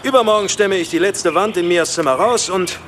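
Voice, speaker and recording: A man's voice: high voice, brisk, a bit bright, a little hiss or hum. A man playing a chummy, easygoing builder in a children's radio drama, with a casual colloquial way of talking. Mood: chummy, upbeat.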